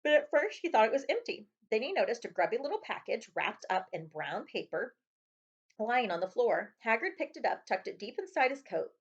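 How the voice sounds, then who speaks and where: A woman's voice: a little high, big pitch swings, brisk, breathy edge, highs cut off. A woman librarian narrating a children's chapter book as a read-aloud.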